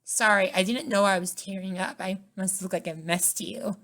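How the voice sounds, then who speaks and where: Woman doing an anxious, timid college girl, high-pitched. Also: normal speed, a bit bright, lightly acted. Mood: flustered. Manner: nervous, timid, pleading. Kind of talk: ASMR roleplay.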